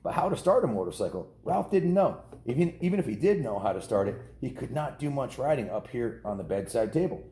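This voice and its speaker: A man's voice: mid-range voice, big pitch swings, brisk, few pauses, warm tone. A man casually reading a children's novel aloud, ad-libbing informal asides to kids in a home setting. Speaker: storybook reader. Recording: roomy, echoing indoor sound.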